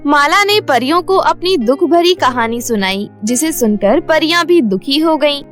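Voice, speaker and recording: A woman narrating a cartoon story in a high, clear voice. Her telling is even and scripted, and faint background music plays underneath. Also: measured pace. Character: young teacher Mala, earnest and firm.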